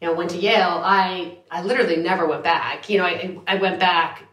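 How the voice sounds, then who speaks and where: A woman's voice: on the low side, steady tone, fairly quick, fairly bright tone, roomy sound. A woman in her forties, a journalist guest chatting casually about growing up, with laughing, self-deprecating asides. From United States. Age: 40s. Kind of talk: casual interview. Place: London.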